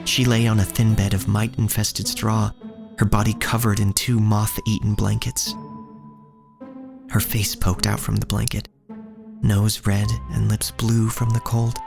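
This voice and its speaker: A man playing a solemn narrator who tells of a poor street childhood in measured, scripted audio drama storytelling. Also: fairly low pitch, flat delivery, creaky. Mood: somber, measured. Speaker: first-person narrator. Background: music.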